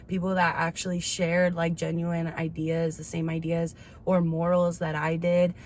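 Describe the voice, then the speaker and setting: A woman in her twenties talking candidly in a casual confessional chat, slangy and swearing freely. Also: fairly low pitch. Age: 20s. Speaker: vlogger. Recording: clear background ambient noise.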